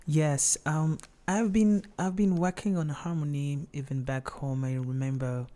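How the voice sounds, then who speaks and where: A man's voice: fairly high pitch, steady tone, measured pace, mellow. A man from Mozambique with a Mozambican accent, whose first language is Shangana, answering interview questions as a musician guest in a hesitant way, searching for words.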